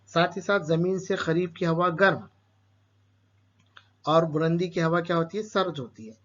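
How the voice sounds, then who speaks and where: A man's voice: fairly high pitch, measured pace, fairly bright tone. A man teaching a school lesson to children, asking questions and answering them himself, with an Urdu-speaking Indian accent. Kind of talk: explaining a school chapter to children. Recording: dull lo-fi sound.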